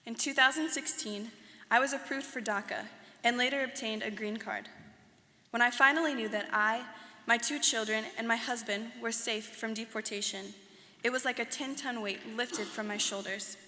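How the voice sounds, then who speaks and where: A young woman performing a scripted dramatic reading as an earnest college alumna, in a measured, declamatory way. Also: on the high side, steady tone, bright, forceful tone. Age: young adult. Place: large hall. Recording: reverberant hall.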